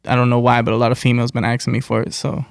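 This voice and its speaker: A man's voice: mid-range voice, completely flat delivery, racing, creaky, dry recording, studio quality. An American man talking casually in slang as a musician guest in an interview. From United States.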